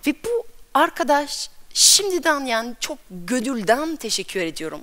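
A woman with a high, bright, sharp voice speaks with very wide pitch swings against a quiet background. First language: not Turkish (English/French) (speaking Turkish). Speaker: storyteller and educator; storyteller, educator. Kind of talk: talk to audience, personal storytelling; stage talk with storytelling. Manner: halting, hesitant. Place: stage. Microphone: headset.

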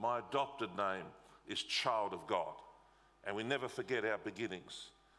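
A man talks with an Australian accent in a bright, sharp tone. His pace is moderate. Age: 60s. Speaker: pastor. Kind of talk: sermon. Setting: church. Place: church.

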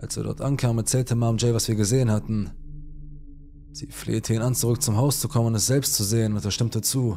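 A man with a plain, everyday voice talks at a fairly quick pace, his medium pitch held in fairly even intonation. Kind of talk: scripted narration of a ghost story. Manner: measured, suspenseful storytelling.

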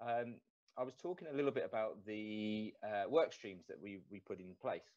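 A man with a plain, everyday voice, fairly low pitch and moderate pace against a quiet background. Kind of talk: conference presentation. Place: home room. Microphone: video call.

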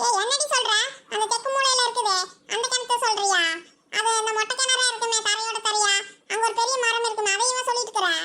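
A woman uses a cartoonish character voice at an extremely high pitch, speaking at a moderate pace with very even loudness and fairly even intonation. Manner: chiding.

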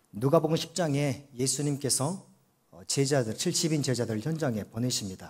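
At a fairly slow pace, a man speaks in a somewhat breathy voice with a fairly high pitch and ordinary pitch variation. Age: 70s. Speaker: missionary preacher. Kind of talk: sermon with consecutive interpretation. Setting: church. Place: church. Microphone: podium.

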